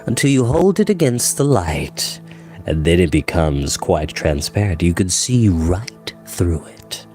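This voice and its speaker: A cold, menacing storybook villain, played by a male reader, speaking very low. He takes his words slowly and deliberately, keeping the threat soft and conversational. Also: sing-song, faint music behind. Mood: quiet menace. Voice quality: deep, cold voice. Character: tall, cold, menacing man, quietly sinister villain. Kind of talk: dramatic audiobook character reading.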